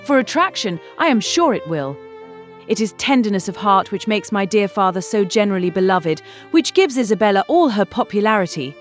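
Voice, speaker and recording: A woman acts out a self-assured young gentlewoman from a period novel. Her pitch rides high and swings expressively as she makes emphatic, affectionate points in careful phrases, over faint music. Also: sing-song, a little fast, close to an everyday voice. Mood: fervent, admiring. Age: young adult. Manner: earnest, emphatic, articulate. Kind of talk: dramatised classic novel audiobook acting.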